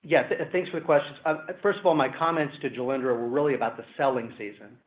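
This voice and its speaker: A man speaking as a company executive, giving measured, hedging answers on an earnings call. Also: medium pitch. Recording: roomy, phone-like conference call line.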